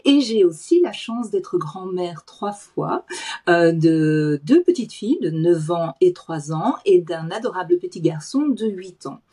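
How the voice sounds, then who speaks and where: A woman's voice: fairly low pitch, animated, a little slow, warm tone, husky. A woman of fifty-six, giving a candid, reflective personal account in conversation. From Belgium. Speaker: interview guest, client sharing her experience.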